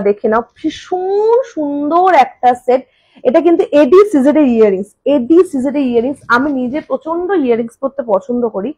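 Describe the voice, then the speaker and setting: A high-voiced woman with a husky edge sells jewellery on a phone live stream. She says each price slowly, two or three times over, then breaks into quick, chatty bursts between pieces. Her tone is casual and repetitive, like a seller talking to viewers. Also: warm tone, muffled recording. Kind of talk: live-stream sales talk. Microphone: phone camera.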